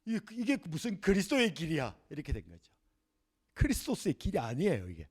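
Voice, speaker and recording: A middle-aged man giving a Bible seminar lecture, animated and acting out scenes for his class. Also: on the high side, a little fast, husky.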